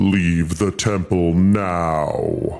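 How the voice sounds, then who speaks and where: A booming put-on character voice from a man, very deep and low, with fairly even intonation and faint music in the background. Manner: commanding, menacing.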